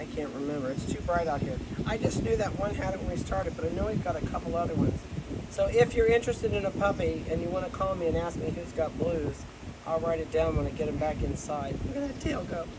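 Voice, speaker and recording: Over noticeable background noise, someone talks very fast with an American accent. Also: man. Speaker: dog breeder. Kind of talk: casual video update. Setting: outdoors on a patio. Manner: warm, chatty, talks to puppies.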